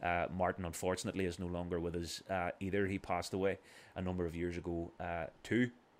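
A man with a Belfast accent rattles along at a very fast pace in a very deep, low pitch and monotone, flat intonation, on a very clean recording with a silent background. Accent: Belfast Northern Irish. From Northern Ireland, Belfast. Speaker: politician. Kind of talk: interview. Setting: studio. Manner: halting.

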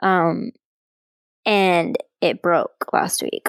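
A woman's voice, dry and close with no echo. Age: 20s. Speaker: grief project founder and writer. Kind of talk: interview. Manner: casual, filler-heavy.

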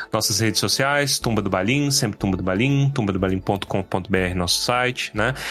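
With ordinary pitch variation, a man's fairly low voice moves at a moderate pace. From Brazil. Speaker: podcast host. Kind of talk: casual chat. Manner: animated.

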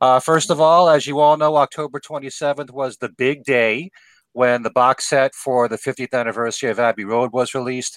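In an unremarkable speaking voice, a man of medium pitch talks at a moderate pace with fairly even intonation, the sound dry and close with no echo. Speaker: syndicated radio host. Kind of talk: casual panel discussion. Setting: video call.

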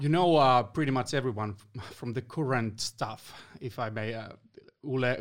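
In a Finnish accent, a man talks at a moderate pace on a very clean recording with a silent background. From Finland. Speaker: podcast co-host. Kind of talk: casual interview.

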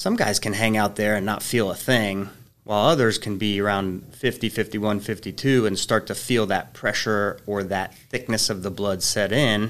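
Using a plain, everyday voice, a man with an American accent speaks at a moderate pace and fairly low pitch, with fairly even intonation and hardly any pauses. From Columbus, Ohio. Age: 40s. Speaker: hormone specialist, Marine veteran. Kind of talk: podcast interview.

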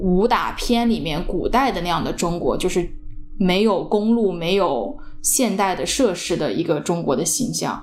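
With music playing behind her and audible room echo, a woman speaks at a moderate pace and medium pitch with lively intonation. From China. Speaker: fashion designer. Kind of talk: interview.

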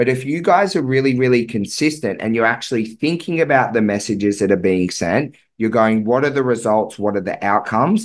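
Speaking at a fairly quick pace with hardly any pauses, a man with an Australian accent uses lively intonation at a medium pitch. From Australia (Sydney). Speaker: fitness business coach. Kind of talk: online training webinar.

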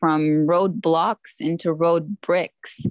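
A woman with a fairly low pitch speaks with ordinary pitch variation in a dry, close sound with no echo. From Lebanon. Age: 30s. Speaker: poet and author. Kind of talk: interview.

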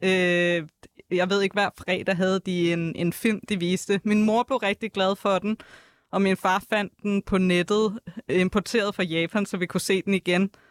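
Recorded very cleanly against a silent background, a man with a high pitch speaks in a flat monotone at very even loudness, the sound dry and close with no echo. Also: fairly slow pace. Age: 30s. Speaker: anime and comics fan. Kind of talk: interview. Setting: studio.

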